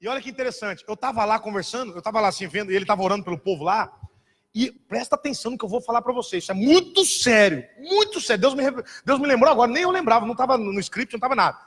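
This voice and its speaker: Husky-voiced male pastor in an echoing hall. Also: very high-pitched, racing. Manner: animated, dramatic, mimics other voices. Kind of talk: storytelling sermon. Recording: reverberant hall.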